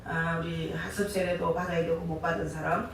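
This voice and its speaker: A woman preacher delivering an impassioned sermon, rising to shouts on key words, recorded from a distance in a church sanctuary. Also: lowish voice, flat delivery, fairly quick, a little hiss or hum. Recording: echoey church hall, far from mic.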